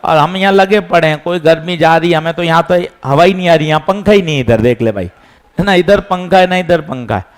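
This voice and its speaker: A man teaching physics in class, calmly repeating each step and scolding students who chat. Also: a little high, fairly quick. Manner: patient, repeats steps, scolds chatter. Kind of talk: classroom lesson.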